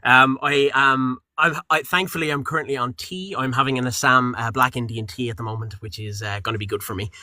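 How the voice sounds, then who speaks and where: A male voice actor chatting freely, his tone bright and forward and his words wandering with lots of fillers and restarts. the sound is dry and close, recorded in a booth with little room echo. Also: medium pitch, brisk, few pauses. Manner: rambling, relaxed, with frequent fillers and restarts. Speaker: voice actor and audiobook narrator. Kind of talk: casual interview chat.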